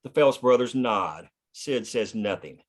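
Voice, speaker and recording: A man's voice: mid-range voice, lively intonation, unhurried. Man reading screenplay stage directions. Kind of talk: scripted screenplay narration at a table read.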